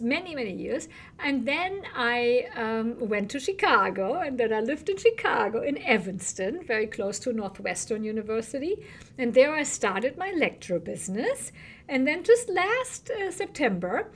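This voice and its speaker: German-accented woman historian, lively and expressive lecturer, desk mic in a small office. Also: fairly high pitch. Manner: animated, laughing, with short fillers. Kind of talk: lively lecture over video call. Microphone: podcast mic on desk, video call.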